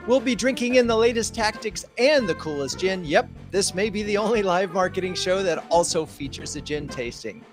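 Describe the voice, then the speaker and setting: A man's voice: high voice, lively intonation, normal speed, hardly any pauses, over music. Upbeat male show host. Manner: upbeat, scripted welcome then chatty questions. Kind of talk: live streamed marketing show. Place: home studio.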